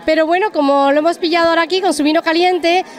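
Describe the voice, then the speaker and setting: A woman's voice: very high-pitched, steady tone, fast. A middle-aged woman, chatting effusively as an on-location reporter doing interviews. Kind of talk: on-location event interviews and commentary. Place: busy hall at a Christmas market. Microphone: handheld reporter microphone. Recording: crowd chatter in busy hall.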